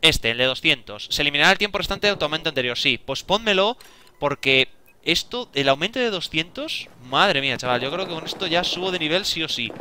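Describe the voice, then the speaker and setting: Excitable guy from commentating his game, kinda high-pitched, talks to himself a lot. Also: fairly quick, a little hiss or hum. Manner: excitable, talks to himself, swears and exclaims often. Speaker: gaming video creator. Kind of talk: casual gameplay commentary.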